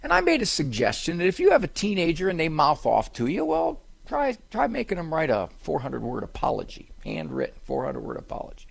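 A man's voice: fairly high pitch, fairly quick, gravelly, few pauses. An older man hosting a live talk show on a cruise, telling funny self-deprecating stories. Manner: animated, self-deprecating joking. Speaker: radio talk show host and psychologist. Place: live event on a cruise ship.

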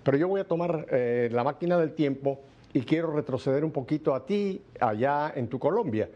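A man's voice: a little high, animated, normal speed, dark tone. Guy hosting an interview, asks long winding questions, a bit muffled sound. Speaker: interview host.

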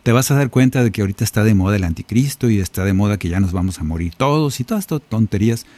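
Husky Catholic preacher man. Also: on the low side, lively intonation, very fast, dark tone, no echo. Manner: colloquial preaching, repeats phrases, restarts. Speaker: Catholic singer-songwriter host. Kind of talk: prayer and reflection talk. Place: home recording studio.

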